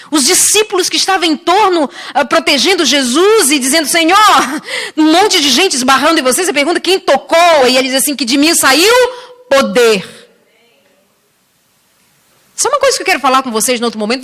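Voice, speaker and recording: A woman preacher delivers a sermon in a high, bright-pitched voice. She tells stories with strong expression, dropping low and soft for quoted lines and rising high for emphasis.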